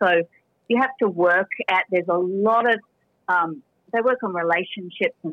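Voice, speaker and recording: This is a woman with an Australian accent. Her pitch sits in the medium range. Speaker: business owner. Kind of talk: radio interview.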